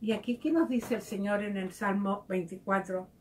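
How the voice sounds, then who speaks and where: A woman's voice: mid-range voice, moderate pace, slight background noise. A woman giving a devotional reflection, speaking conversationally and asking her listeners direct questions. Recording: voice heard from a distance.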